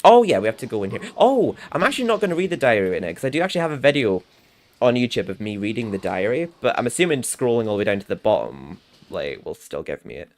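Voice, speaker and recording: A man's voice: lowish voice, sing-song, fast talker. A young man chatting casually as he livestreams a game, rambling and laughing to himself. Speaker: gaming streamer. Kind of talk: casual gameplay commentary. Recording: game music playing underneath. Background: game music.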